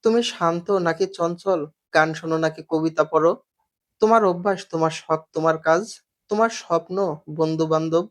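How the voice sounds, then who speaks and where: A man voicing a young woman factory worker, guarded and quick-tempered, who answers in sharp bursts. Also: on the high side, lightly acted.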